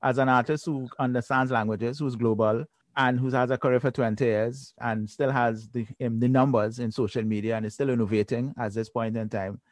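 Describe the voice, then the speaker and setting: A man's voice: medium pitch, fairly even intonation, fairly quick, few pauses, dry recording. A man hosting a podcast, encouraging and chatty with his guest. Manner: encouraging, frequent affirmations. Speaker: podcast host. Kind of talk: casual interview chat.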